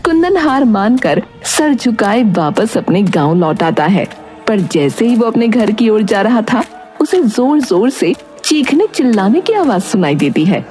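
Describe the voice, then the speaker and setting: A woman's voice: medium pitch, a little mellow. A woman reading scripted narration of a dramatic moral story. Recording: music under the voice. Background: music.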